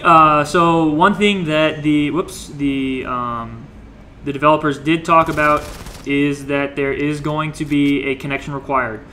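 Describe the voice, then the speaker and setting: Bright, chatty young male game streamer. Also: on the high side, a little hiss or hum. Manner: chatty, joking, greets viewers while playing. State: slightly hoarse, losing his voice. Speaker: livestream game host. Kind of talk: casual gameplay livestream commentary.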